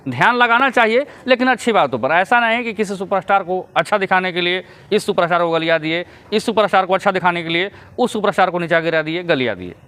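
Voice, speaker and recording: A man's voice: high voice, animated, fast, hardly any pauses, bright, forceful tone. A man giving casual vlog commentary, lecturing his viewers and chuckling between points. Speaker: YouTube commentator.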